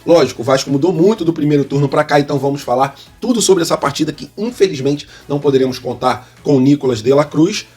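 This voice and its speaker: Husky Brazilian man presenting football news. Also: on the high side, quick pace, hardly any pauses, darkish tone. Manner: partisan fan addressing viewers directly. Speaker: host of football fan news channel. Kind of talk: informal sports news commentary.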